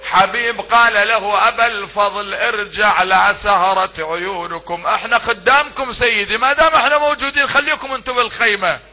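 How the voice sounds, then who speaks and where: A man, reciting a mourning sermon that moves between chanted lament and quiet prayer. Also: high-pitched, a little fast. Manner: emotional, sing-song lament rising to cries, then soft prayer.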